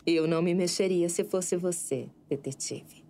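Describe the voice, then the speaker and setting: Coy Brazilian femme fatale, played by an actress, low voice. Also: female voice, moderate pace, dark tone, a little hiss or hum, lightly acted. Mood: seductive, sinister. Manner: coy, flirtatious. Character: seductive, scheming femme fatale, a nightclub singer and killer. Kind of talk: audio drama acting.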